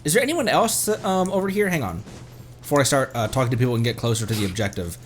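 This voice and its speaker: A man's voice: medium pitch, animated, fast, soft background music. A man doing casual live commentary as he streams a video game. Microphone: streaming microphone.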